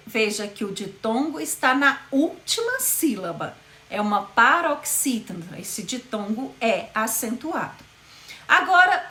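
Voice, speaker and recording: A woman teacher with a bright, fairly high voice explains phonetics in a video lesson. She stretches out example words slowly to demonstrate them. The room around her is echoey. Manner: slow, drawn-out demonstration of words. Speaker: Portuguese teacher.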